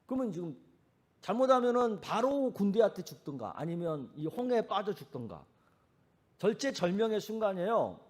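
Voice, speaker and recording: A male pastor preaching a sermon in a conversational, animated way, asking the congregation rhetorical questions. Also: high voice. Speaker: senior pastor.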